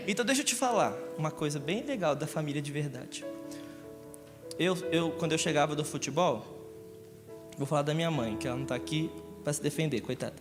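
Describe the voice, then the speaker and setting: A man from Rio, preaching a live Sunday sermon, joking and asking his congregation questions. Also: a little high. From Rio de Janeiro, Brazil. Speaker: pastor. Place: church service in a large hall. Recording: echoey church hall with music.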